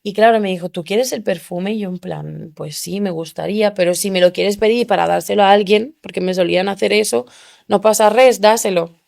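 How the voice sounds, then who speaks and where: Young woman from spain, bit of gravel in her voice, tells it animated, does everyone's voices. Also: medium pitch, a little fast, hardly any pauses. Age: young adult. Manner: animated, acts out quoted voices. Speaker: interview guest. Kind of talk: emotional storytelling in a podcast.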